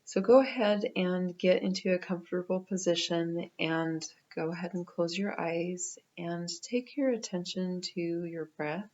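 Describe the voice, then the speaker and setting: A woman leading a guided meditation in a gentle, unhurried manner with pauses. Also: on the low side, dull audio.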